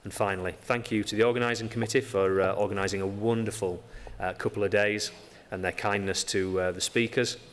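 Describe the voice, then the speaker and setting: A man with a Yorkshire accent delivers a conference lecture, pausing often with ums and poking fun at himself. His voice sits a little low. The sound carries a long hall reverb over a faint background ambience. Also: fairly even intonation, slight background noise. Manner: halting, many ums, self-deprecating. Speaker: conference speaker.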